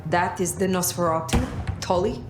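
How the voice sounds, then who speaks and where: Woman voicing an ancient vampire lady, lowish voice, formal n measured, game dialogue over loud music. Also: close to an everyday voice. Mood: composed, inquiring. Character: ancient female vampire, composed, formal and commanding. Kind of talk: video game voice acting.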